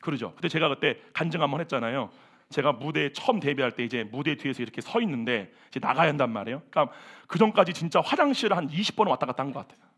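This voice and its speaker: A man preaching a sermon as senior pastor at a church service, animated and exclamatory, with self-mocking asides. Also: fairly high pitch, very fast, breathy edge.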